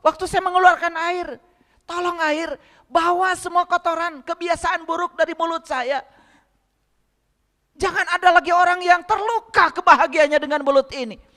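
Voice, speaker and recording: A man's voice: very high-pitched, steady tone, normal speed, sharp tone, big-room sound. A man giving a spiritual lecture to a congregation, often asking them rhetorical questions and speaking to them directly. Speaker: religious lecturer.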